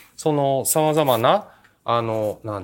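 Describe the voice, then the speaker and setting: The recording is very clean, with a silent background. A man speaks at a fairly high pitch for a man. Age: 40s. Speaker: philosopher. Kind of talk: casual chat. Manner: halting.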